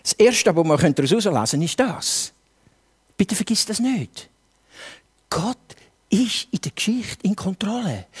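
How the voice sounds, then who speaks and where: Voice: medium pitch, breathy edge. A preacher with a Swiss German accent, delivering a sermon with earnest rhetorical questions addressed straight to the listeners.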